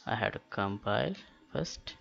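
A man narrating a step-by-step software tutorial in a halting, matter-of-fact manner. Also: fairly low pitch, lively intonation, gravelly. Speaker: tutorial host. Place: indoors, screen-recording voice-over. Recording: dull lo-fi voice-over with clicks.

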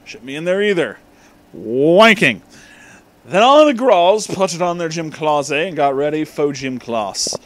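A high-voiced man hosts a comedic read-aloud of amateur fiction. He takes it slowly, pronouncing every misspelling exactly as written and adding amused asides. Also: sing-song, no echo. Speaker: host reading fan fiction aloud.

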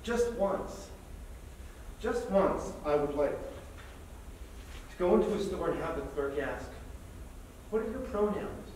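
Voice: mid-range voice, expressive, slow pace, long pauses, darkish tone, a little hiss or hum. An actor playing a weary, earnest trans woman advocate in a staged monologue. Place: large theater stage, recorded from afar. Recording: echoey theater, distant mic, music behind.

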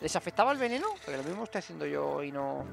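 Man, high lively voice, gravelly edge, game commentary. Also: rapid-fire. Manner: excitable, talks to viewers as "gente". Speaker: gaming streamer. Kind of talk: let's play commentary.

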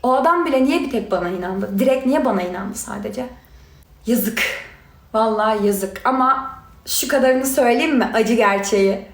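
A young woman with a high voice rants heatedly into a phone livestream, sarcastic and scolding as she talks straight to her viewers. Her voice echoes around a bare room. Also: normal speed. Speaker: reality show contestant answering critics. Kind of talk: angry livestream rant.

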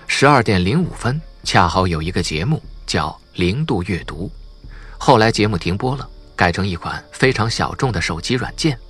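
A male narrator reads a crime audiobook in a somewhat low, husky voice. His delivery is scripted storytelling, with lively swings in intonation. Music plays behind him.

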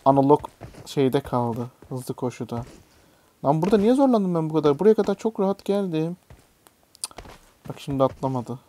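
A man's voice: fairly high pitch, expressive, normal speed, long pauses, warm tone. A young man gives casual commentary while playing a mobile game, muttering to himself and swearing or yelping when a jump fails. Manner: muttering, swears and yelps at failed jumps. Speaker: gaming YouTuber.

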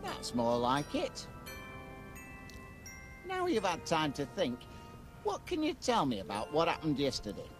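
An actor voicing an officious, stern British police constable in a formal, pompous manner for an animated comedy game. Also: male voice, a little high, a little slow, long pauses. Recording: music playing behind the dialogue.

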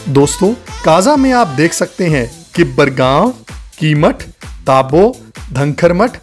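A male travel vlogger narrates a scripted voice-over, recorded off location, in a lively, fairly high voice at a slightly slow pace. Acting like a guide, he addresses viewers as friends, with faint music playing underneath.

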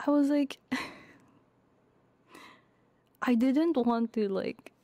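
A woman's voice: sits high, drawn-out words, no room sound. A tearful woman chatting casually as a livestream host, flustered and apologetic, close to the microphone. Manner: flustered, self-deprecating, apologetic, drifting into soft whispers. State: tearful, crying while laughing. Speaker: ASMR streamer and Vtuber host. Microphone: binaural ASMR microphone, close.

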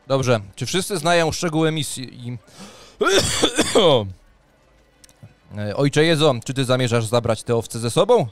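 Slow, measured game master, close and dry. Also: male voice, mid-range voice, big pitch swings, no room sound. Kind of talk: narrating and voicing a tabletop roleplaying game. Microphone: close studio microphone on arm.

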